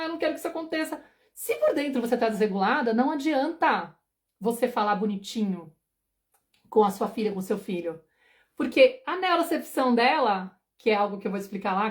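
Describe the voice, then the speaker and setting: Woman in her forties, parenting mentor on a live stream; rapid, slightly high voice, chatty, acts out worried inner voices. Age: 40s. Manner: fast, conversational, often asks "entendeu?"; acts out anxious inner thoughts.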